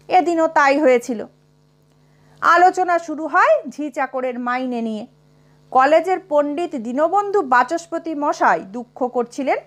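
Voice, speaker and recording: A woman narrating a comic short story aloud in an expressive, unhurried manner. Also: high voice.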